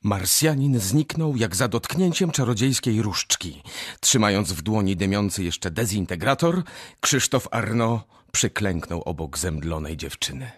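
A man's voice: on the low side, animated, a little slow, slightly rough, no room sound, clean studio sound. A man narrating a radio drama in a dramatic, scripted storytelling style. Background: music.

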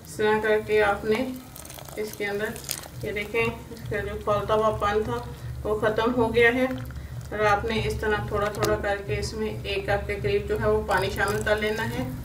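A woman's voice: mid-range voice, flat delivery, moderate pace. A Pakistani woman with an Urdu accent hosting a cooking channel, walking through a recipe step by step in a homely way and leaning on the same filler phrase again and again. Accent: Urdu-speaking Pakistani. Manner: homely, repeats filler "jo hai" constantly. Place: home kitchen. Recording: echoey, distant kitchen recording with faint hiss.

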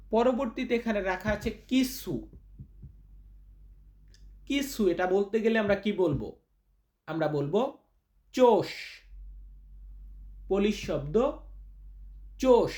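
A man hosting a vocabulary lesson, repeating each foreign word slowly and stretching out its syllables. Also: high-pitched, a little mellow. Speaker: language teacher, channel host.

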